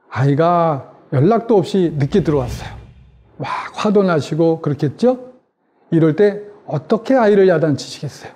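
A man's voice: a little high, warm tone, slightly rough. A middle-aged man teaching parents in a lecture, asking them questions and acting out everyday examples. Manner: asks the audience questions and acts out examples.

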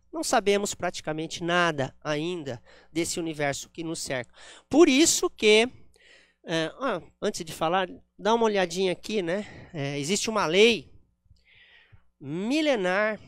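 A man's voice: high-pitched, dry recording, studio quality. Man giving a reflective lecture. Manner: frequent "né?" tags, reflective explaining tone. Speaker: spiritist lecturer. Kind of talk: public lecture with slides. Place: spiritist center hall.

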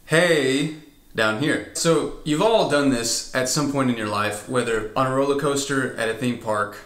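A man's voice: mid-range voice, normal speed, noisy background. Guy teaching singing, explains stuff then belts a whoop, echoey room. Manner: explanatory, breaks into sung whoops and slides. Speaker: vocal coach. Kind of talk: singing lesson with vocal demonstrations. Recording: roomy echo.

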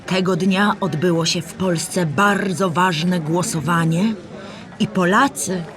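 A woman's voice: fairly low pitch, takes it slowly, a crowd in the background. A woman playing a kindly old storybook animal who patiently explains history to a child in a children's audio play. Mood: patient, explaining. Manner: patient, clear explaining in simple words.

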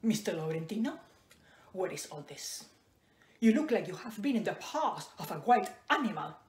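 An actress playing a prim, disapproving maid to rich people in a comedy sketch. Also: female voice, medium pitch, big pitch swings, moderate pace, echoey room, lightly acted. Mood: scandalized. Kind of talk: comedy character acting. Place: small plain room.

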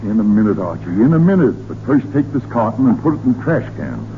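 A muffled, noisy 1940s radio recording carries a man acting an American suburban dad. He is middle-aged, flustered and easily exasperated. His pitch jumps around as he sputters and repeats himself. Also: sing-song, quick pace, lightly acted.

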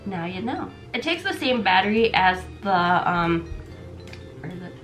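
A woman's voice: on the low side, very animated, a little slow, a bit bright, soft background music. A young woman in her twenties, sick with a stuffy nose and losing her voice, chatting casually to the camera as she shows off her gifts, with lots of fillers. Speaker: vlogger. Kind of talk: casual product unboxing vlog. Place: small bedroom with camera shelves, indoors.

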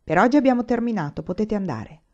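A woman's voice: medium pitch, animated, fast talker, dark tone, highs cut off, close to an everyday voice. A woman voicing a kindly, approving male schoolmaster in a read-aloud story.

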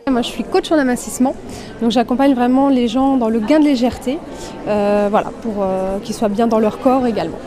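A woman's voice: a little high, brisk. A woman slimming coach explaining her sessions in an interview, fluent with light fillers. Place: busy exhibition hall. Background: crowd chatter.

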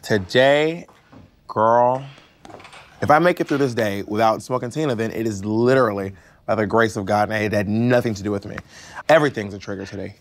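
A man's voice: lowish voice, a little fast, natural voice. An American actor in his thirties playing a candid, sassy gay man in recovery, with a camp drag-queen delivery, telling his story at a support meeting. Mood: candid, wry. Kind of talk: naturalistic screen monologue, confessional storytelling. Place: indoor hall, group sitting in a circle.

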